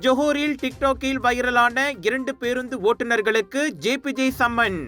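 A man with a Malaysian Tamil accent reading scripted news in a formal, measured way. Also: extremely high pitch, fairly even intonation, over loud music. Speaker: news presenter.

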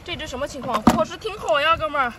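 A woman vlogging as she forages on a rocky seashore, giving excited live commentary full of delighted cries. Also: high-pitched, fast talker, very noisy. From Shandong, China. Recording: distant mic with loud outdoor ambience.

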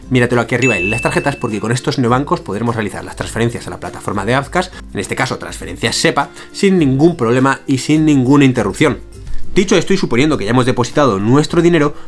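A young man with a Spain Spanish accent, hosting a step-by-step screen-share tutorial from a small room, explaining energetically. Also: medium pitch. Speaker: tutorial host.

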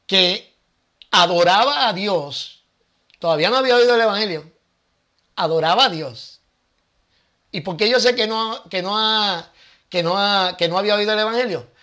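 A man's voice: high voice, sharp tone. A man hosting his own channel, giving casual Bible teaching with rhetorical questions and thinking aloud.

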